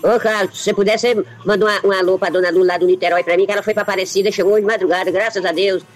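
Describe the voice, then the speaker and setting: A Brazilian woman calling a radio show, chatty and devout, asking for a shout-out. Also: medium pitch, fairly even intonation, very fast, faint music behind. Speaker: caller.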